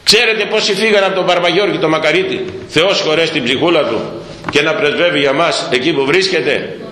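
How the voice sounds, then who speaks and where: A man's voice: on the high side, roomy sound, long reverb tail, low-quality recording. A man preaching a sermon, asking his listeners rhetorical questions and acting out everyday dialogue. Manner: animated, rhetorical questions, acts out imagined dialogue.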